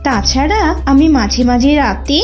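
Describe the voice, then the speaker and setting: A woman's voice: sits high, lively intonation, normal speed, a little mellow. A woman voicing a small, earnest young bird in a children's cartoon. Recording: muffled, faint music behind.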